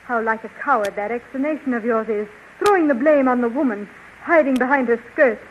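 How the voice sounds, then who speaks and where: A woman voicing a jealous, sharp-tongued young heroine in a 1930s radio drama, biting and sarcastic. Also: on the high side, fairly quick, slight background noise, close to an everyday voice. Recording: dull lo-fi 1930s radio recording.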